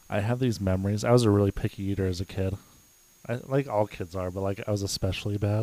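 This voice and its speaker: Soft-spoken and very fast, this voice has a dark, mellow tone and fairly even intonation. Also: man, fairly low pitch for a man. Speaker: podcast co-host. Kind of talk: casual chat.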